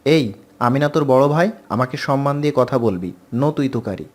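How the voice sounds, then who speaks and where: A man's voice: mid-range voice, expressive, moderate pace, natural voice. A man voicing a teasing older brother, bantering with his little sister in a read-aloud story. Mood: bossy. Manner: mocking, bantering.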